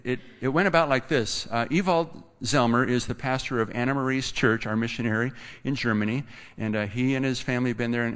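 Chatty pastor in a reverberant church. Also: male voice, medium pitch, a bit bright. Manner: conversational, teasing asides to a guest. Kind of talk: casual pulpit announcements. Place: church sanctuary. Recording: long church hall reverb.

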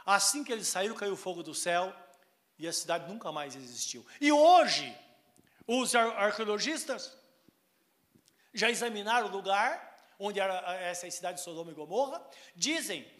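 High, bright-voiced emphatic preacher man. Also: animated, normal speed. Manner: emphatic preaching with sweeping pitch and loudness swings; quotes scripture and acts out voices in a raised tone. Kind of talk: sermon.

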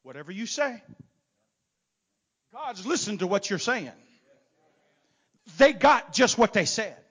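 High, bright-voiced preacher man. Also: sing-song, a little slow. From not from Texas. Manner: swings from hushed asides to shouted exhortation. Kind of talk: sermon.

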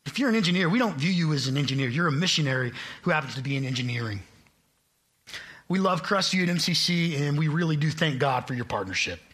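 Upbeat young man preaching, bright voice. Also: fairly high pitch, expressive, fast. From Kansas. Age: late 20s. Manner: upbeat, self-deprecating, joking. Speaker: guest preacher, college admissions staff. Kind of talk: sermon. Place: church sanctuary.

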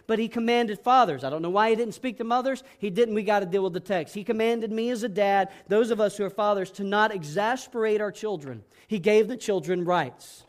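Preaching with earnest conviction, this middle-aged pastor shifts from soft, gentle moments to emphatic declarations. He has a high-pitched voice.

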